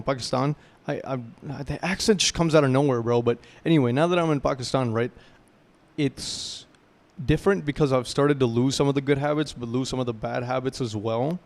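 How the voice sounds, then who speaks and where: A young man giving a casual self-improvement talk to camera, loose and rambling, often checking in with "right?" and explaining through gaming comparisons. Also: mid-range voice.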